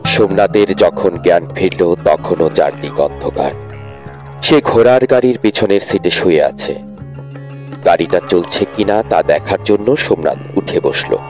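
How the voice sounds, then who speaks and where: A man reads a dramatic story aloud with vivid expression. His fairly low voice moves widely in pitch and climbs as the tension grows. Faint music plays under the narration. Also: a little mellow. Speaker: audiobook narrator.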